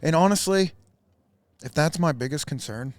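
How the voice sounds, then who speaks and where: A man's voice: on the high side, lively intonation, normal speed, dry recording. A man, a musician guest, talking earnestly and emphatically in a casual backstage chat.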